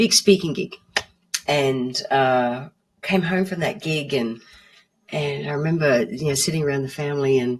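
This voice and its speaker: A woman with an Australian accent speaks in a very deep, low voice. Her tone is somewhat breathy. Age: 60s. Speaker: motivational speaker. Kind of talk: casual interview chat. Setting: video call.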